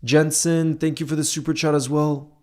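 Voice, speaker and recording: A man's voice: a little high, level tone, normal speed, a little mellow. A young man hosting a casual livestream, chatting and reading viewer comments aloud. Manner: conversational, often asks "you know what I mean". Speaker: livestream host.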